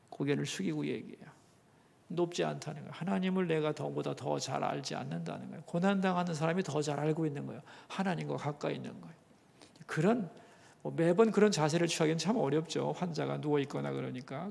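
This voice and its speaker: A man's voice: fairly high pitch, creaky, a little mellow, big-room sound. A middle-aged male pastor giving an earnest sermon, often asking the congregation questions. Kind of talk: sermon Bible lecture. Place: church sanctuary.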